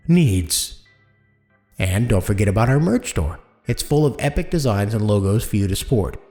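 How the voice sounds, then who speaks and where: A man's voice: lowish voice, a little mellow. A man reading a scripted podcast outro as the show's host, with credits and thanks to listeners.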